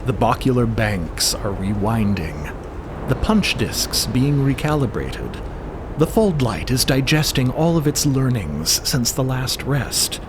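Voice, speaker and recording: Man, unhurried scripted narration, animated intonation, noisy ambient backdrop. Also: medium pitch. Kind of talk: scripted, measured story narration. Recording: clear ambient noise behind voice.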